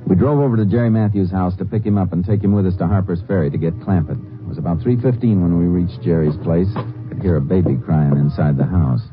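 An actor playing a calm, methodical Texas Ranger who narrates and questions plainly in a 1950s radio western. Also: male voice, low voice, fast talker, natural voice. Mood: measured narrating. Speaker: lead actor and first-person narrator of a radio drama. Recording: dull, narrow-band 1950s radio recording with music.

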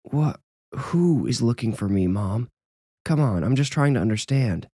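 A man's voice: mid-range voice, expressive, unhurried, mellow, breathy edge, dry recording, studio quality, voice pushed up. A man voicing a busy, rational grown son in audiobook dialogue, firm and exasperated. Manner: firm, dismissive, questioning.

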